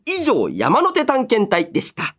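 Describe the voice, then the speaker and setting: Lively, expressive male radio host. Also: sits high, a little slow, slight background noise. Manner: polite but casual, musing to himself. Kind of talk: solo radio talk, reading listener mail with chatty asides.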